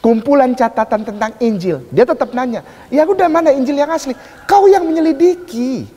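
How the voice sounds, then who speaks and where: Male preacher in a debate: animated, emphatic, lots of rhetorical questions, echoey hall. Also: very high-pitched, moderate pace. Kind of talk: public lecture.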